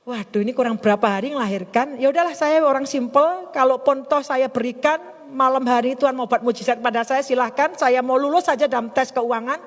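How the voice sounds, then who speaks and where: A middle-aged woman pastor preaching a sermon in a chatty, animated storytelling way, laughing often. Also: high voice, brisk. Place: church service in a hotel hall. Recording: long hall reverb.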